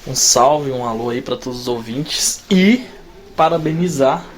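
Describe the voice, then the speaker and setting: A man recording a friendly greeting for the podcast's listeners, speaking slowly with casual slang. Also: medium pitch, a little hiss or hum. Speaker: guest sending a recorded greeting. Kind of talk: recorded congratulations message.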